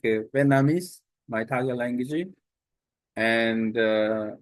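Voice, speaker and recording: Halting man, slow and hesitant. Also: medium pitch, dry recording, poor audio. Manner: halting, many fillers and restarts. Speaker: language learner. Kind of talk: casual self-recorded talk.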